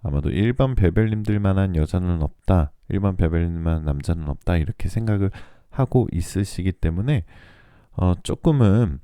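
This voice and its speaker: A man reading tarot for listeners in a soothing, polite, measured radio-like style, his voice still recovering from a throat cold. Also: low-pitched, expressive, dark tone, clear, resonant tone, no echo, clean studio sound. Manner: soothing, polite, measured delivery meant to lull listeners to sleep. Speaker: tarot reader and channel host.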